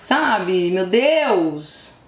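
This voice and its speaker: A young woman with a Brazilian Portuguese accent, gushing and exclamatory as she unboxes an album, dropping into hushed whispers and bursting into sudden squeals. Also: medium pitch, very animated, drawn-out words. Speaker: vlogger. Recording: roomy echo, faint background noise.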